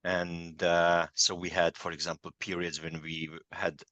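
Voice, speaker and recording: A man in his forties from Serbia, a native Hungarian speaker, talking haltingly as an interview guest with many fillers. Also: sits low, level tone, sharp tone, dry recording, highs cut off. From Yugoslavia (Serbia). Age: 40s. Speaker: guest, transformation director. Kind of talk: casual interview talk.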